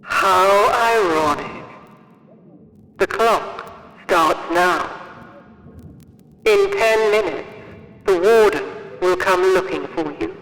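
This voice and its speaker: An actor playing a suave, sinister mastermind in a horror audio drama, gloating with theatrical mock politeness. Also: male voice, sits high, slow, pauses often, a bit bright, exaggerated voice. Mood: smug. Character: suave, sinister male mastermind presiding over a deadly manor. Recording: echoing hall, music behind.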